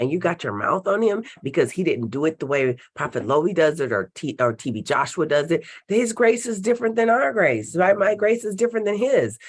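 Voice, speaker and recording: Loud, animated woman's voice with very wide pitch swings, a fairly quick pace and a quiet background. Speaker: prophetess and deliverance minister. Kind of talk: casual chat.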